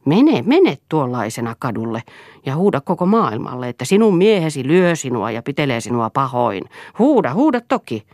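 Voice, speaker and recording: A bitter middle-aged husband who sneers and provokes, read by a woman in an audiobook. The voice sits low and is recorded close and dry, with no room sound. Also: sing-song, a little mellow, no room sound. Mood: scornful.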